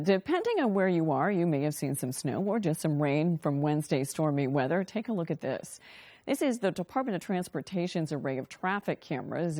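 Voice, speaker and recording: A woman reads scripted TV news as an anchor. Her voice is low and mellow, with a dry, close studio sound. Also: no room sound.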